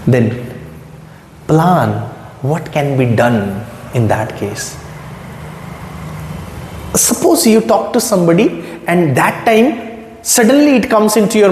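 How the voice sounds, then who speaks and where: A man teaching English as his second language in a gentle, reassuring tone. He repeats phrases and asks questions back to the listener. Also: on the high side. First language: not English. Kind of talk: motivational spoken lesson to camera. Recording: echoey room with long reverb.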